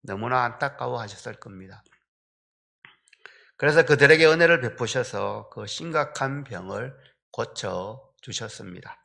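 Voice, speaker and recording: A man preaching a sermon as pastor, asking his congregation many rhetorical questions and dropping a soft "yes" between his phrases. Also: mid-range voice, lively intonation, unhurried, gravelly.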